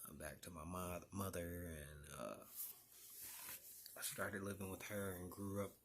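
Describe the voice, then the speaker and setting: A man's voice: low voice, a little slow. A man with a Detroit accent, talking casually to his viewers in a rambling vlog about himself, full of fillers and restarts. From Detroit, Michigan. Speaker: vlogger.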